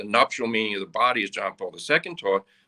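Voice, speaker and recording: A man's voice, dry and close, with no echo. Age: 60s. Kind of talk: interview.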